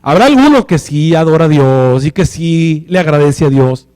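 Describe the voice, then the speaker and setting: A man's voice: on the high side, lively intonation, normal speed, a little mellow. A male pastor preaching a sermon in church, often checking with the congregation through rhetorical questions.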